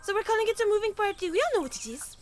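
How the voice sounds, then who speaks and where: Woman acting very high-voiced, chatty young princess. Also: expressive, rapid-fire. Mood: excited, coaxing. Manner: rambling, emphatic, stammering. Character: young princess, chatty, earnest, coaxing her sibling. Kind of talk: fiction podcast acting.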